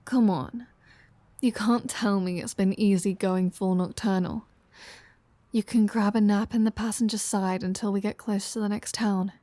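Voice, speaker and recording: A woman's voice: medium pitch, steady tone, moderate pace, warm tone, no echo, lightly acted. A woman playing a flirty, sardonic, foul-mouthed vampire in an intimate roleplay audio drama. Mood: teasing, casual.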